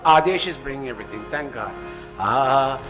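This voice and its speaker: A man's voice: mid-range voice, lively intonation, normal speed, over music. A man leading a temple ceremony, giving the congregation live directions with joking, apologetic asides.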